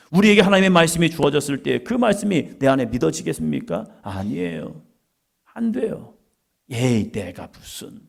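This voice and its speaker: Middle-aged korean pastor w chungcheong accent, preachy and lively, gravelly voice. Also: male voice, mid-range voice. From Korea, Chungcheong region. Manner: lively preaching, quoting people in changed voices, laughing with the congregation. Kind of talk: sermon.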